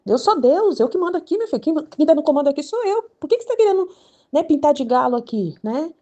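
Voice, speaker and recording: A woman's voice: medium pitch, animated, brisk, dark tone, lo-fi sound, lightly acted. A woman voicing a stern, commanding male God who scolds and mocks in a raised voice. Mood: stern, scolding. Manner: bossy, mocking.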